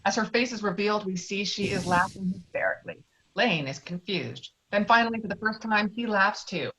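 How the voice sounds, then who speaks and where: A woman's voice: medium pitch, fairly quick, fairly bright tone, poor audio. A woman reading out stage directions as scripted narration of a screenplay.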